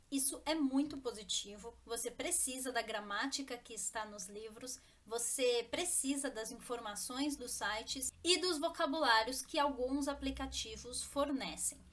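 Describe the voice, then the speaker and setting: A woman's voice: on the high side, a bit bright. A Brazilian woman, a Portuguese teacher, telling a personal story and speaking straight to the viewer in a scripted course promotion.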